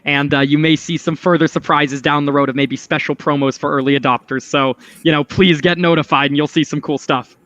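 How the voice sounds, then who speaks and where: Male company spokesman, polished and measured, dull lo-fi dry call audio. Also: on the high side, fairly even intonation, fairly bright tone, dry recording. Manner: polished, measured corporate delivery. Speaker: company representative. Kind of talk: measured promotional announcement.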